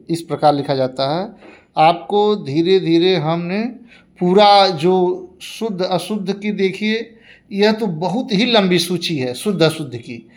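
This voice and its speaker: Male teacher, slightly high voice, very slow and deliberate, repeats words to correct them. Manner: deliberate, repeats each word twice, explanatory. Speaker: Hindi teacher. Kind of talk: slow spelling lesson.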